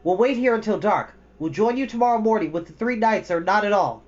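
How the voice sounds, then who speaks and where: A proud young boy hero voiced by a man calls out orders in a raised, high pitch. The delivery is loud and decisive, with lively swings, on a slightly dull recording. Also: fairly quick. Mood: commanding.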